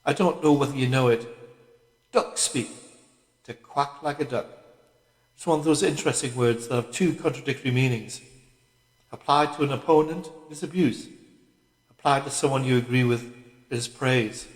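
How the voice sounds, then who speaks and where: A man's voice: medium pitch, normal speed, long pauses, close to an everyday voice. A man voicing a clever, opinionated party intellectual in an audiobook, speaking in a precise, didactic way. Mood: keen, didactic. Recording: echoey room with long reverb.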